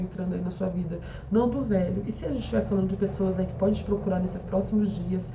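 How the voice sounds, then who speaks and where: A soft-spoken woman at a very fast pace, medium in pitch, with noticeable background noise and audible room echo. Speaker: tarot reader. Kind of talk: tarot reading monologue. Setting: at home at night. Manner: speaking softly, late at night.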